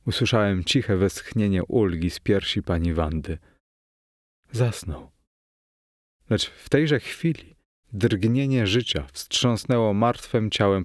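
A man narrating a novel in the first person, in a measured, steady storytelling manner. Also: fairly low pitch, dry recording, studio quality. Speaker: audiobook narrator.

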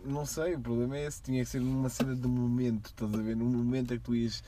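A man's voice: mid-range voice, little pitch movement, fast, a crowd in the background. A man with a European Portuguese accent chatting casually and in slang with friends. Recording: some background noise.

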